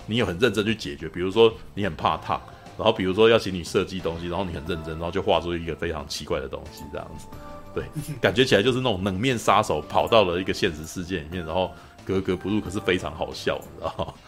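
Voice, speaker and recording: Podcast host, a man: rambly and chatty, lots of laughing, on the low side. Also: fast talker, soft background music. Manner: rambling, constant "you know" tag questions, frequent laughter. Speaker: podcast host reviewing a film. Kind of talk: casual chat.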